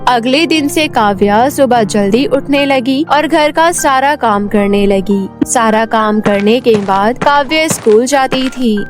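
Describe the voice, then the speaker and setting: A woman's voice: a little high, unhurried, few pauses, over music. A woman doing scripted narration of a children's cartoon story as its storyteller.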